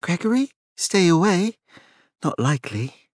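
Man voicing a murmuring, scheming lady, lifted pitch. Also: very animated, unhurried, no echo, studio quality. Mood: scornful. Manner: low murmur, composed. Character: cool, scheming, outwardly serene lady.

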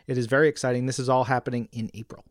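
A man co-hosting a podcast, chatting informally and emphatically about comic-book news with excitable enthusiasm. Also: mid-range voice, rapid-fire, dry recording, studio quality. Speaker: podcast co-host.

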